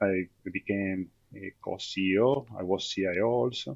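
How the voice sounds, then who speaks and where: This is a man speaking. He has an Argentine accent. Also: dry, close sound with no echo. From Argentina. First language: Spanish. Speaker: investment executive. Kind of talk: interview. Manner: halting, repeats words.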